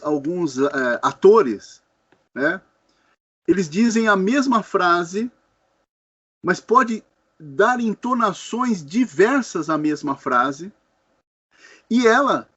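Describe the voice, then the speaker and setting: A man with a fairly high voice speaks very slowly and thoughtfully, pausing and repeating words as he searches for them. The recording sounds dull and lo-fi. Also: a bit bright. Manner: hesitant, many fillers and repeated words. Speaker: co-host in a discussion. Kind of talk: slow reflective philosophical talk.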